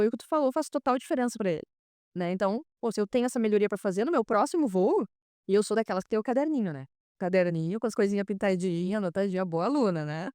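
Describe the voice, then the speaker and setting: Woman podcast host and pilot; chatty questioner, clear dry voice. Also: medium pitch, a little mellow, no room sound. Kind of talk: podcast interview.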